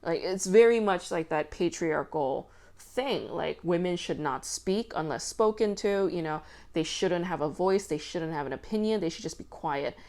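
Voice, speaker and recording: Woman podcast host, loud voice, slightly low pitch, chatty, casual commentary. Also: expressive, moderate pace, few pauses. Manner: chatty, filler-heavy with frequent "like" and swearing.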